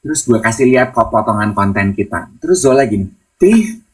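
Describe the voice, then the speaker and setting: A man's voice: on the low side, quick pace, recorded from a distance. A man, co-hosting a casual talk show, telling stories and acting out the voices he quotes. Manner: animated storyteller, acts out quoted voices, mixes English. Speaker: podcast co-host. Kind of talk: casual chat, retelling conversations.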